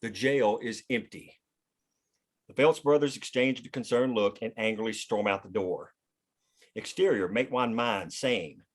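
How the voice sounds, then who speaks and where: A man's voice: lowish voice, a little slow. Male narrator reading screenplay stage directions. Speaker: stage-direction reader at a table read.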